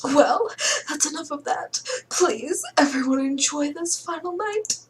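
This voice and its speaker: A woman's voice: sits high, animated, measured pace, voice pushed up. A woman voicing a gracious aging aristocratic man who hosts a grand ball, speaking formally in an acted game reading. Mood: gracious, farewell. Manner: formal, courtly speechmaking.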